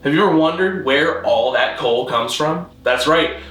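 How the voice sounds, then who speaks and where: Bright-voiced deadpan man lecturing, roomy sound. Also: fairly high pitch, moderate pace. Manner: deadpan, didactic. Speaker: host, video essayist on constructed languages. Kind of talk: scripted narration, mock-academic lecture.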